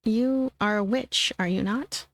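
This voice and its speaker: A woman voicing a gentle, formal male park director in a visual novel read-aloud. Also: fairly high pitch, a little slow, no echo. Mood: smooth, probing. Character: suave, courteous gentleman park director, earnest.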